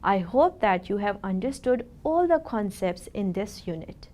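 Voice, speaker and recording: A woman reading a scripted classroom lesson, slow and careful, sounding out words for young pupils. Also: medium pitch, expressive, warm tone. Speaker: teacher.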